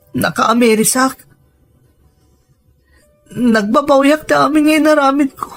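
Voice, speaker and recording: An audio drama younger brother played by a man, full of guilt and sorrow. His voice sits very high and strained with tears as he pleads. Soft music plays behind him. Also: full character voice. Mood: tearful regret. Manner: tearful, pleading delivery. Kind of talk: emotional audio drama acting. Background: background music.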